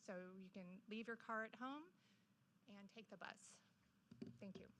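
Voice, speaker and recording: A woman's voice: fairly high pitch, normal speed, pushed and bright. A woman speaking as a city council member, giving an informal board report.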